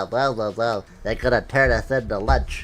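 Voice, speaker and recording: A man puts on a character voice at a medium pitch. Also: moderate pace. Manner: goofy, cartoonish.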